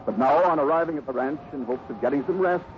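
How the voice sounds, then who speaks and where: A man's voice: fairly high pitch, fast talker, lightly acted. A man narrating a 1950s radio western in a dramatic scripted style. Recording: noisy, muffled old radio recording.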